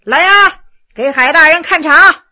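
Woman doing a jovial sly old-court official guy, chatty banter, high bright voice. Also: very animated, a little slow, full character voice. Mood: jovial, teasing. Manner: teasing, glib banter. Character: scheming, jovial Qing-era male official.

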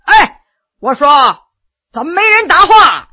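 A woman's voice: high voice, big pitch swings, measured pace, pushed and bright, exaggerated voice. A woman voicing a shrewd old male tea merchant who mocks an officer, switching between coarse and bookish talk. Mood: mocking.

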